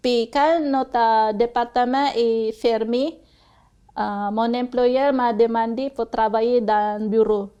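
Slow-talking Filipino woman in her forties. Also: on the high side, steady tone, dark tone, smooth, lo-fi sound. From Philippines. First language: Bisaya. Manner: halting, searching for words with many pauses. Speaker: interview guest. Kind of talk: casual interview.

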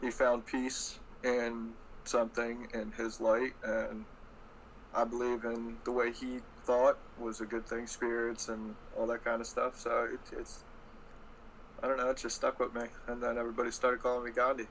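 A man's voice: medium pitch, monotone, normal speed. A man talking casually as a podcast guest, informal and blunt. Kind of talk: casual chat. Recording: noisy recording.

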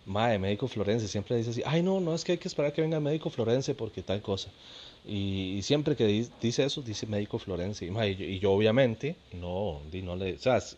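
A man's voice: lowish voice, a little mellow, lo-fi sound. A Costa Rican man in his thirties, a comedian telling funny stories in a chatty, slangy monologue with laughs. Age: 30s. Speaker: comedian and podcast host. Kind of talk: casual storytelling monologue.

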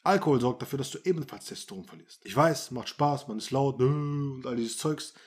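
A man's voice: medium pitch, brisk. A man coaching male listeners in a podcast monologue, blunt and crude, talking straight to the listener and repeating phrases for emphasis. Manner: brash, blunt and crude, addresses listener directly. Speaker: dating and self-confidence coach. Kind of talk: direct-to-camera podcast monologue.

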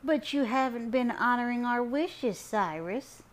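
A piping old grandmother, voiced by a woman narrator, speaks up high and chimes in. She is a meddling elder in an audiobook family drama. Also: expressive, unhurried. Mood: disapproving. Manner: piping, chiming. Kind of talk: audiobook character reading.

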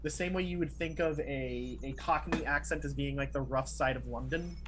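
Podcast co-host, male, mid-pitched, chatty and rambling, faint hiss under the voice. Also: moderate pace. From Miami, family from Peru. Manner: talkative, lots of "like" and "right?". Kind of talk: casual podcast chat. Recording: faint background noise.

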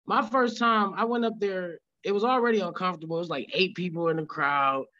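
A man's voice: high voice, brisk, pushed and bright. A man, a guest comedian, telling stories in a laid-back way and laughing often as he talks, heard over a remote call line. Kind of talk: casual podcast storytelling. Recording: dull lo-fi remote call audio.

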